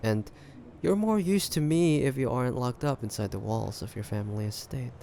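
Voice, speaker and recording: A man playing an ambitious, shrewd pirate captain in an audio roleplay, taunting the listener in a deliberate, conspiratorial way. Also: mid-range voice, creaky, dark tone, a little hiss or hum, close to an everyday voice. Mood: calculating persuasion. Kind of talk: roleplay audio drama monologue addressed to listener.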